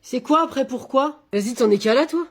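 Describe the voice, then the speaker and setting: A woman plays an insolent schoolboy with a lazy, mocking tone. The voice is high and bouncy. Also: expressive, fairly quick. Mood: cheeky.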